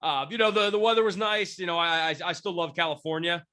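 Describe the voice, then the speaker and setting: His voice is high-pitched, fast, bright and forceful. The 20-something podcast host and sports beat writer from the Seattle area has a cold that leaves him congested, and his casual sports talk wanders with frequent fillers and false starts.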